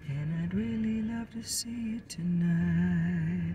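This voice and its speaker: Over background music, a woman with a very deep, low pitch talks at a very slow pace with very wide pitch swings. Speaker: food vlogger. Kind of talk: casual vlog chat. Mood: cheerful, chatty.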